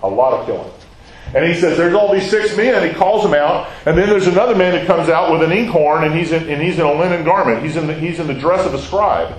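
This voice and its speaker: A man's voice: fairly high pitch, fast, echoey room, poor audio. A man teaching a Bible study, talking in a conversational way and asking his listeners questions.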